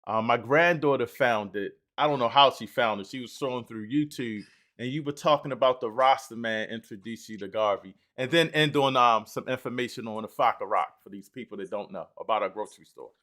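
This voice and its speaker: An older man hosts a podcast in a loose, rambling way. He stacks fillers and restarts as he frames long questions. His voice sits at an ordinary male pitch. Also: fairly quick, a bit bright. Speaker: podcast host. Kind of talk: casual interview talk.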